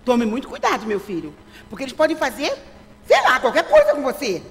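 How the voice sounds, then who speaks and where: A woman's voice: high voice, huge pitch swings, fairly quick. A woman playing a fretting, overprotective mother. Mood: anxious. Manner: fretting, dramatic, repeats "meu filho". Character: anxious, overprotective middle-aged mother. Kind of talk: amateur stage play. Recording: reverberant hall.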